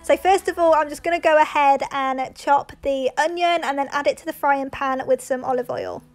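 High-voiced young woman narrating cooking steps. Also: fairly even intonation, normal speed, soft background music. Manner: chatty, talks viewers through each step. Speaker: lifestyle vlogger. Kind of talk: voice-over narration of a cook-along.

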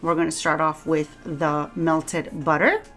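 A woman's voice: deep voice, little pitch movement, measured pace, fairly bright tone, soft background music. A woman with a Cuban accent, talking casually through a home cooking vlog, chatty and self-deprecating and laughing often. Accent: Cuban Spanish. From Cuba. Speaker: cooking vlogger. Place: home kitchen.

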